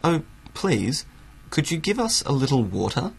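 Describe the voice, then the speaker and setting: A man's voice: medium pitch, very animated, normal speed, creaky, breathy edge, voice pushed up, heavily acted. Man doing a puzzled, polite young man.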